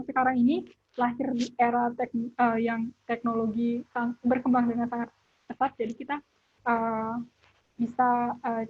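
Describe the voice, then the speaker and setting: A woman teaching a French lesson over a video call, pausing often with filler sounds. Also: on the high side, slight background noise. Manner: hesitant, many filler sounds. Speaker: French language tutor. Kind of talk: online lesson. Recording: dull lo-fi audio.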